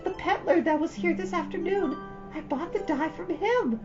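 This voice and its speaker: A young girl from a storybook, pitched very high. She is earnest, wretched and given to dramatic pleading. The sound is a little muffled, with music clearly playing behind her. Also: moderate pace. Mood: earnest, explaining.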